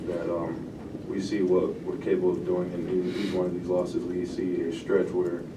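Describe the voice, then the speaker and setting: A man's voice: low voice, completely flat delivery, moderate pace. A young man, a college basketball player at a post-game press conference, speaking in a reflective, thoughtful way. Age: young adult. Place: indoor press room. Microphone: table microphone. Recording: roomy, distant, noisy press room.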